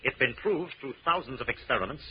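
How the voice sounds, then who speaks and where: An actor playing an eager, confident investigator in an old radio detective drama, earnest and brisk with a wry touch. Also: male voice, medium pitch, expressive, slightly rough. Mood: intense, puzzled. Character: eager, confident male psychic investigator and lab analyst. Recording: muffled, noisy old radio recording.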